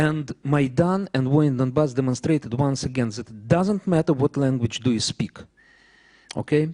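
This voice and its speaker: In a Russian accent, a man speaks at a fairly high pitch with a dark, mellow tone, ordinary pitch variation, big swings in loudness and a moderate pace, in a dry, close sound with no echo. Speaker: panelist. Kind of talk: panel discussion.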